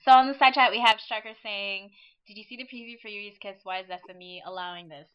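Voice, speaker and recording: A woman's voice: medium pitch, fast, clear, resonant tone, dull audio. A woman hosting a casual online fan chat, rambling and laughing often as she talks. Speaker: podcast host.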